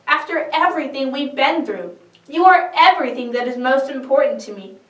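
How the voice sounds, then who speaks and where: A woman's voice: high voice, animated, a little fast, a bit bright, voice pushed up. A woman playing a devoted male disciple pleading fervently with his master in a dramatic scripture reading. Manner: fervent, emphatic. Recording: echoey room, distant microphone.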